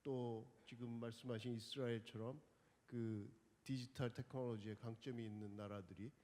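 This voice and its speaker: A man's voice: mid-range voice, steady tone, rapid-fire, dark tone. A man moderating a panel discussion in a conversational style. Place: large conference hall. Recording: long hall reverb.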